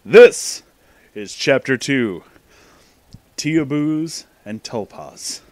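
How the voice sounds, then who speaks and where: A man's voice: medium pitch, lively intonation, very slow, no echo. A man narrating a comic story aloud in a dramatic reading style, as the show's reader.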